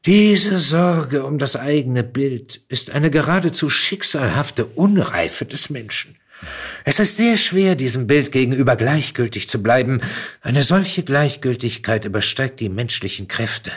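A man acts out a proud old poet from beyond the grave in a storybook reading. He lectures emphatically and declaims, his pitch raised and swinging widely with each insistent point. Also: animated, unhurried, slightly rough. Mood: lecturing, reflective. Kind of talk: dramatic literary reading.

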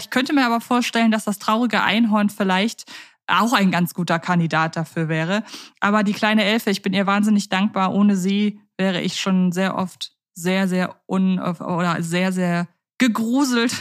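A woman's voice: medium pitch, moderate pace. Chatty woman podcast co-host. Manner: chatty, thinks aloud with fillers. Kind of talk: casual podcast discussion.

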